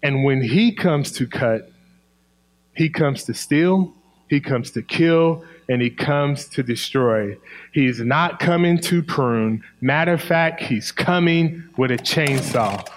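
A man's voice: medium pitch, slow pace. A man with an African American English accent preaching a sermon, folksy and colloquial, driving points home with repeated phrases. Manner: emphatic, repeating key phrases for effect. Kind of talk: sermon to a congregation.

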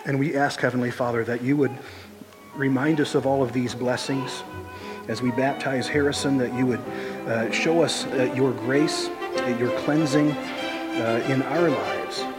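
A man's voice: mid-range voice, steady tone, unhurried, over loud music. A male pastor leading prayer and preaching, earnest, with frequent "uh" hesitations. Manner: frequent "uh" hesitations, earnest and lifts voice reading scripture. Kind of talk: sermon and prayer. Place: church sanctuary. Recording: reverberant church hall, faint ambience.

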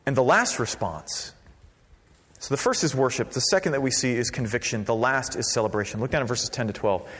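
A man preaching a sermon as pastor, conversational and lively, dropping to a quiet voice for emphasis. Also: mid-range voice, a little fast. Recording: long reverb of a large hall.

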